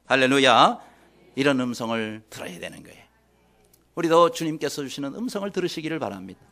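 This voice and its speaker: A middle-aged male pastor preaching with a high, very lively voice. He swings between soft asides and loud calls and draws his congregation into call and response. The delivery is dramatic and full of sweeping rises and falls. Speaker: senior pastor. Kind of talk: sermon.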